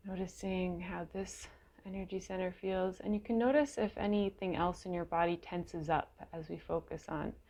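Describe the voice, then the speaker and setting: A woman leading a guided meditation in a gentle, unhurried way, leaving long pauses between short phrases, with a creaky voice. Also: lowish voice, fairly even intonation. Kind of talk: guided meditation, slow and soothing.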